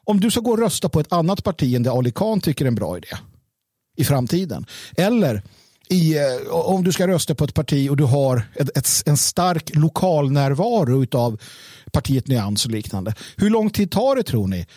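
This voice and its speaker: A man hosting a casual discussion, with a husky, breathy edge to his voice. He speaks haltingly, restarting and repeating words as he works through an anecdote. The sound is dry and close. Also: a little high, sing-song, warm tone, no room sound. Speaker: host.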